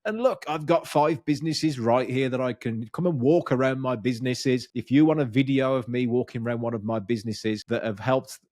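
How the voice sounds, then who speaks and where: Man, Birmingham accent, thirties, blunt and punchy, swears, close boom mic, dry small room. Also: a little fast, hardly any pauses, dry recording. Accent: Birmingham English. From Birmingham, England. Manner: blunt, energetic, swears freely. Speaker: business coach and podcast host. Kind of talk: direct-to-camera coaching talk. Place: small dark studio room with bookshelves. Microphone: studio mic on boom arm.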